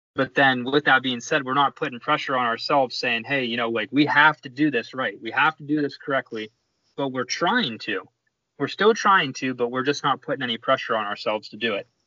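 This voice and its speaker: A normal speaking voice from a man with an American accent, medium pitch, ordinary pitch variation and a fairly quick pace. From western Pennsylvania. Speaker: musician. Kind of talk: casual interview chat. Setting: phone call. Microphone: cell phone signal, cutting out.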